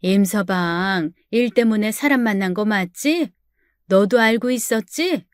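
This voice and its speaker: A woman voicing a worried older mother who speaks slowly and gently, fussing over her daughter. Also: mid-range voice, expressive, no room sound, studio quality, natural voice. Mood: probing. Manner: slow, relieved, motherly.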